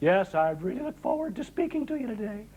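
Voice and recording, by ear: A strained, put-on character voice at fairly high pitch races along at a very fast pace with very wide pitch swings over light background noise.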